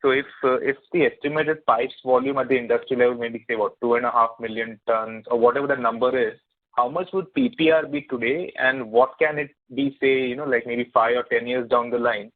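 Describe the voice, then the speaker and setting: A man's voice: medium pitch, steady tone, fairly quick. Male analyst on a phone line. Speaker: analyst on the call. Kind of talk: asking questions on an investor call. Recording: narrow, tinny phone conference line.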